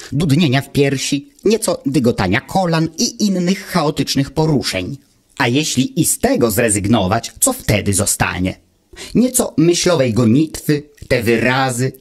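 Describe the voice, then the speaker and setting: A man voicing a calm, pedantic male mechanical friend who lectures with cold, measured reasoning, in an audiobook reading of a fairy tale. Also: medium pitch, slightly rough.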